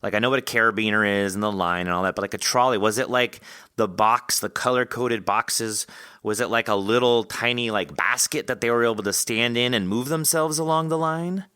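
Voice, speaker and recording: A man hosting a casual podcast interview, chatty and animated as he talks. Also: mid-range voice, fairly quick, clean tone, no echo, clean studio sound. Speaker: podcast host interviewing an author.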